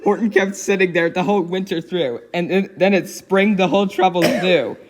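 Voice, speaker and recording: A woman's voice: on the low side, steady tone, moderate pace, darkish tone. A woman giving a dramatic, playful reading of a children's storybook, given to giggling. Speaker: story reader.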